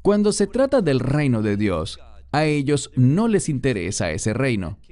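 Slow, animated male preacher. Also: mid-range voice. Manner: emphatic, addresses listeners directly. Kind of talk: sermon.

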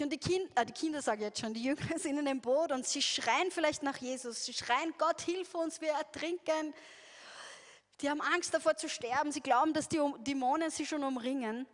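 A woman preaching a sermon in an earnest way, often breaking into soft laughter and restarting her sentences. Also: sits high. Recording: long hall reverb.

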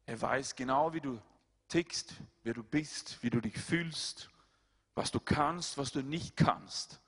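A male pastor, preaching a sermon and swinging between loud, high-pitched appeals and quiet, low asides. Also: slow, breathy edge. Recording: hall reverb.

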